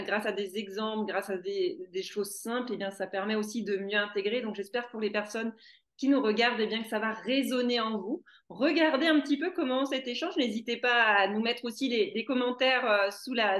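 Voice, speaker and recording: A woman hosting a conversational interview on a video call, warm and encouraging with her guest. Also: on the high side, reverberant. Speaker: host.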